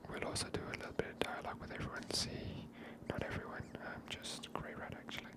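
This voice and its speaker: Whispered, breathy ASMR commentary on gameplay comes from a streamer talking at a quick pace. Nothing is spoken aloud. The voice barely sounds at all through the hushed delivery.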